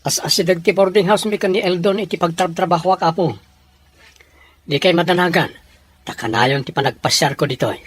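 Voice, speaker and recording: An actor playing a proud, defiant young adult son in a radio drama, with a Filipino Ilocano accent. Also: male voice, sits high, brisk, fairly bright tone, breathy edge. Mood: earnest.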